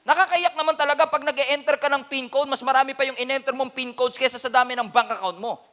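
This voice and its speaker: A pastor from the Philippines with a Filipino accent, delivering an animated, humorous sermon that mixes Tagalog and English. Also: male voice, extremely high pitch, quick pace.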